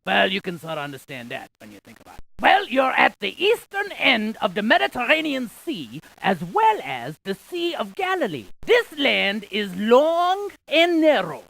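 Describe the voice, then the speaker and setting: A woman's voice: fairly high pitch, wildly swooping pitch, moderate pace, vocal fry, hardly any pauses, fairly bright tone, exaggerated voice. A woman playing a quirky, chatty scientist in an educational game, delivering facts with theatrical emphasis and wordplay. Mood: chatty, informative. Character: quirky, chatty female scientist spouting geography trivia. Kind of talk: animated educational game character lines.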